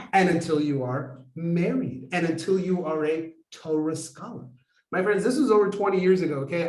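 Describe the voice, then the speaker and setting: A man in his forties, raised in America, teaches Kabbalah through a lively personal story, jumping into voiced dialogue and stringing his thoughts together with casual fillers. His voice sits a bit high for a man. He is picked up from some way off in a roomy, echoing hall. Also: distant mic. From United States. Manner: animated, acts out dialogue, many fillers. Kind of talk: storytelling talk to an audience. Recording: echoey room, voice from afar.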